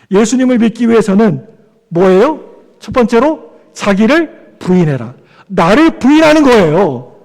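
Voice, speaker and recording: Male pastor, sermon, high gravelly voice, long church-hall reverb. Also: a little mellow. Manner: conversational preaching, calls for amens. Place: church sanctuary.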